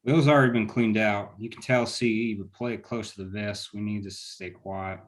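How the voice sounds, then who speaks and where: A man's voice: on the low side, fairly even intonation, moderate pace, lightly acted. A man reading the part of a confident, decisive small-town leader in a drama, folksy and clipped. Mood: urgent, decisive. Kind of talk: screenplay table read.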